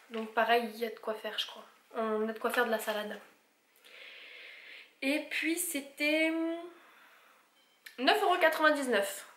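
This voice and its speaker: A woman's voice: a little high, fairly bright tone. A woman chatting casually through a shopping haul, listing items and prices and stumbling over English brand names. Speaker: vlogger showing a shopping haul. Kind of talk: casual haul vlog chat. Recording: echoey room with faint noise.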